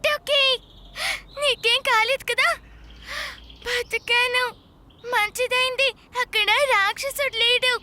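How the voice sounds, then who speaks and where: A performer voicing an excitable, caring little child in a cartoon, with a squeaky, expressive delivery. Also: slow pace. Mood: relieved, curious. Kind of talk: cartoon character dialogue.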